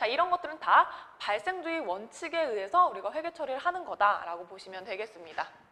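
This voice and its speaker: Her voice raised and projected, a high-pitched woman talks at a fairly quick pace with very wide pitch swings. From provincial Korea (outside Seoul). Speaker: accounting instructor. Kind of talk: lecture.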